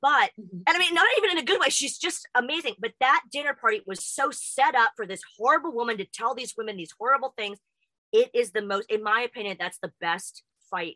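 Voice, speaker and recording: With an American accent, a woman speaks fairly quickly in a high pitch, her tone bright and sharp and her pitch swinging very widely. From Texas and Southern California. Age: 30s. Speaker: wrestling announcer and podcaster. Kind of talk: casual chat.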